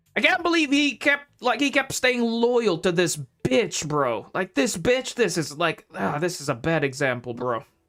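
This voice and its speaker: The speech runs at a moderate pace with hardly any pauses. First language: not English. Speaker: gaming streamer. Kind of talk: live stream commentary. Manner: halting.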